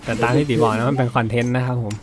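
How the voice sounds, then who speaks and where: Brief: young male gaming streamer, chatty and teasing, casual commentary over loud music. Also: mid-range voice, fairly even intonation, rapid-fire. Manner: chatty, teasing, laughs often. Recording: music playing behind.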